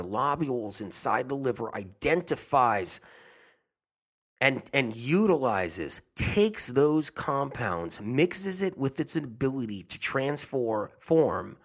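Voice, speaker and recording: In a casual monologue, a man with a husky, medium-pitched voice talks earnestly to his audience about health. He rambles and often repeats himself.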